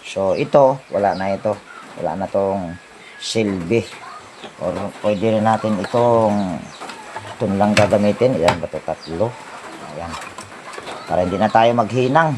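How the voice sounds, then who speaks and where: Male repair tech, low voice, muttering through a hands-on tutorial; noisy outdoor recording. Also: a little slow, long pauses. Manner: talks to himself while working, thinking aloud. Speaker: appliance repair technician. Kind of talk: casual step-by-step repair tutorial. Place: outdoor home service job with roosters and birds nearby.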